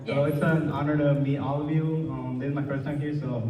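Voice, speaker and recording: A man's voice: fairly high pitch, little pitch movement, fairly quick, dark tone. A man in the audience asking the panel a question, hesitant with fillers. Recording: muffled, echoey hall from far off, crowd.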